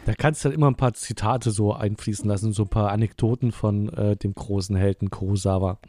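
A man's voice: on the low side, steady tone, a little fast, dark tone, no room sound. A man in his forties co-hosting a casual film podcast, rambling and correcting himself as he talks. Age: 40s. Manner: rambling, self-correcting, amused. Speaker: podcast co-host.

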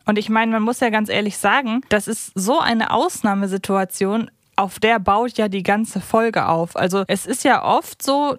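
A woman's voice: medium pitch, normal speed, hardly any pauses, no echo, studio quality. A woman co-hosting a podcast, discussing things casually and analytically as she thinks aloud. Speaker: podcast co-host. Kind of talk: casual analytical discussion of an audio drama series.

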